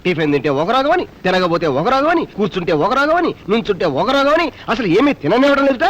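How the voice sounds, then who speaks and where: A preachy, fast-talking comic sidekick. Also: male voice, sits high, very animated, a bit bright, exaggerated voice. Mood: indignant. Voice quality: preachy, repetitive, theatrical. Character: fussy preachy comic male friend, middle-aged. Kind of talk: Telugu film comedy acting.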